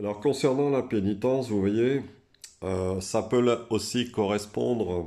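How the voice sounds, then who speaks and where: The tone is dark and mellow, with ordinary pitch variation. Delivery is very slow. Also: man, fairly low pitch for a man. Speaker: card reader. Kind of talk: casual talk to camera. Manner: hesitant.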